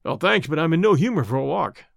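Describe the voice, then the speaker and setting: A man's voice: a little high, animated, fast, gravelly, no echo, studio quality. Man playing a bold, defiant young hero. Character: bold young man, defiant, protective, bitter, cool-headed. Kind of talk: audiobook character acting.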